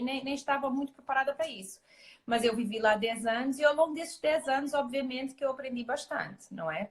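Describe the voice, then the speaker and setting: Middle-aged Mozambican-born woman guest, higher voice, halting delivery full of fillers. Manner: hesitant, many fillers and restarts. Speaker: guest naturopathic doctor. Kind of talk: live interview.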